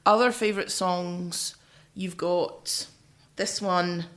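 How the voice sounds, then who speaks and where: A woman's voice: on the low side, steady tone, takes it slowly, a bit bright. A woman co-hosting a music podcast, chatting casually about albums and favourite tracks.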